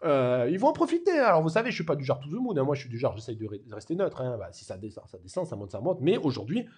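A man giving a casual, jokey crypto market rundown, swinging between excited highs and low mutters. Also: fast talker, slightly rough. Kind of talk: casual market analysis vlog.

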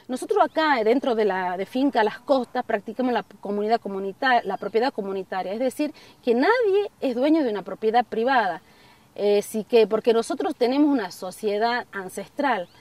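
A middle-aged woman from northwest Argentina, speaking earnestly in an outdoor documentary interview and often pausing on fillers. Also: on the high side, lively intonation, a little mellow, distant mic. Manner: earnest, gesturing, many fillers. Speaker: community member interviewed. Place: outdoors in an open field. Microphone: camera at a distance.

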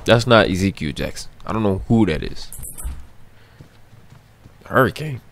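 With a low, creaky, sing-song voice at normal speed, a young gamer narrates his first playthrough, joking in disbelief and answering the screen. Slight background noise is audible.

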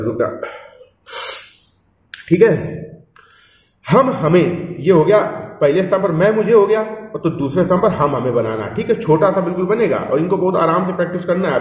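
Explaining shorthand one step at a time, a male teacher with a Hindi accent keeps asking whether his class is following along. His voice is a little high and a little mellow, and it sounds far off in a room full of echo.

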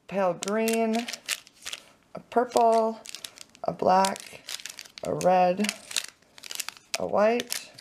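A woman vlogger chatting excitedly at home as she unboxes craft supplies, with lots of fillers. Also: mid-range voice, noisy background. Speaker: family vlogger. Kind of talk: casual unboxing chat. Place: home, indoors at a table.

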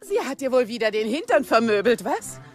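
A teasing mammoth mom, lively voice, music behind. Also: female voice, a little high, fairly quick. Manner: teasing, motherly. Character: warm teasing mammoth mother.

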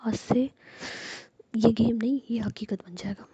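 A woman's voice: on the high side, steady tone, a little slow, warm tone, no echo, highs cut off, exaggerated voice. A woman voicing a hurt, jealous young woman with snappy, sulking retorts, in a whispered role-play. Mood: sulky. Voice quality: breathy whisper.

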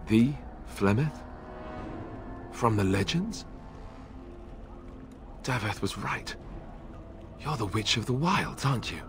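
An actor playing a young warrior in a fantasy game, earnest, shaken and awkward, with a halting, hesitant delivery. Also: male voice, on the low side, animated, over music. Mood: flustered, awed. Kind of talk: fantasy game dialogue acting.

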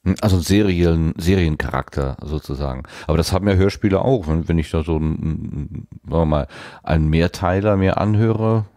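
A man hosting a casual podcast interview, phrasing his questions in a deliberate, roundabout way. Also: deep voice, warm tone, dry recording, studio quality. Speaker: podcast host.

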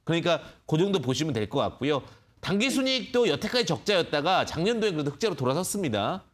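A man's voice: fairly high pitch, very animated, fast. A man hosting a live phone-in stock show, patiently explaining prices to callers with many fillers. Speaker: stock market expert host.

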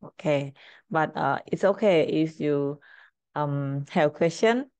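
A middle-aged woman with a Cambodian accent, a native Khmer speaker, teaching informally in halting, simple English. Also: low voice, a little mellow, no echo. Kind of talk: informal screen-share language lesson.

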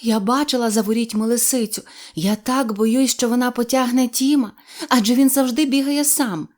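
A woman's voice: a little high, steady tone, moderate pace, a little mellow, pitched above the performer's own voice, natural voice. A woman voicing a worried mother duck in an audio storybook, talking in an anxious, fretting manner.

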